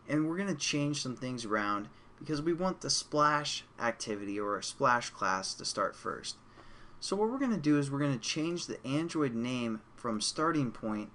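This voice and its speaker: A man of ordinary pitch hosting a laid-back coding tutorial, speaking to viewers as "you guys." His voice is a little strained from losing it. A faint steady hiss sits under the recording. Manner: relaxed, chatty, addresses viewers as you guys. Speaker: programming tutorial host. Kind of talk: casual screencast tutorial.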